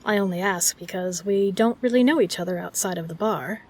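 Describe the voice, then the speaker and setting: A woman's voice: mid-range voice, fairly quick, a little mellow, slightly rough, natural voice. A woman playing a kind, protective, flirtatious bar regular in an audio roleplay, speaking earnestly and reassuringly to the listener. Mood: soothing.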